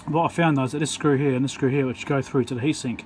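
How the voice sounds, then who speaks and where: A man's voice: mid-range voice, steady tone, fast, slight background noise. A man with a New Zealand accent giving a casual, unscripted, matter-of-fact walkthrough as he works at an indoor bench. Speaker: electronics repairer presenting his work. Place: indoor workbench.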